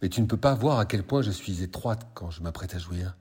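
This is a woman in bed with her lover, bold in what she asks for, voiced by a male reader. Her voice stays low, husky and close. She speaks softly and intimately, in a storybook reading. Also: lively intonation, brisk, heavily acted. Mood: teasing. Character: aroused woman lover, shy then bold.

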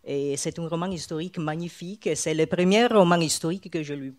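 A woman's voice: sits low, quick pace, a little mellow. A woman with an Italian accent, a guest historian on a panel, speaking hesitantly and often searching for her words. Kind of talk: panel discussion.

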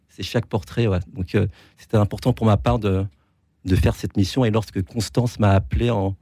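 Low gravelly man, forties, hesitant earnest speech, restarts often, dry close mic. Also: dark tone, no room sound. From France (Normandy). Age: 40s. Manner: halting, many restarts, earnest. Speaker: photographer guest. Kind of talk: interview answers.

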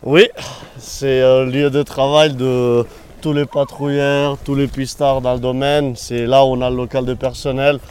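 A man with a singsong Catalan-tinged accent, mixed with southern French and Swiss touches. He works as a ski patroller and talks about his job in a relaxed, chatty way, pausing often to find his words. Faint noise hums behind him. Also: medium pitch. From Cerdagne, Pyrenees. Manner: relaxed, chatty, frequent hesitations. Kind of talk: casual interview. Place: ski area staff building.

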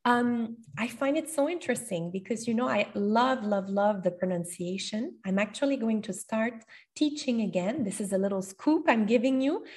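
A woman's voice: on the high side, normal speed, darkish tone. Enthusiastic Québécoise woman host. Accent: Quebec French. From Canada. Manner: enthusiastic, effusive praise. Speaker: podcast host and language school representative. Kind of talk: casual interview.

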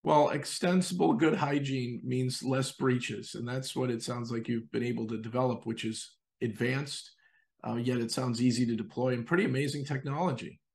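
A man with a gravelly, fry-edged voice at a middle pitch hosts a podcast interview. He is enthusiastic and acts out what users might say. He speaks like a seasoned interviewer. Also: fairly even intonation, moderate pace, darkish tone. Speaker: host.

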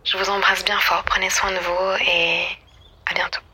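A woman leaving a personal voicemail in a hushed, half-whispered voice. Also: medium pitch, little pitch movement, normal speed, slightly rough. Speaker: listener leaving a voice message. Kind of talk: personal voice message.

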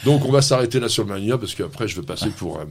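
A husky-voiced man hosts a radio gardening show. His pitch swings up and down with animated energy as he explains plants and teases his co-host. The talk is loose, chatty and often broken by laughter. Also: quick pace. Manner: teasing, enthusiastic, laughs often. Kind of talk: lively on-air gardening chat.

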